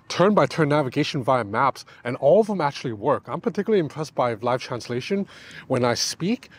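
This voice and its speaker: A man in his thirties, first language Cantonese, talks through a gadget review in a relaxed, explanatory way. He is recorded outdoors in a park on a clip-on lapel mic, with a mid-range voice. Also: medium pitch. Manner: conversational, explanatory, self-deprecating. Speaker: tech reviewer.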